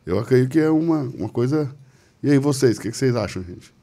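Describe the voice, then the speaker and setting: A man's voice: medium pitch, expressive, quick pace, mellow. A man hosting a church podcast, sharing reflective thoughts in casual conversation. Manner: reflective, thinks aloud. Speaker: podcast host. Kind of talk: casual chat.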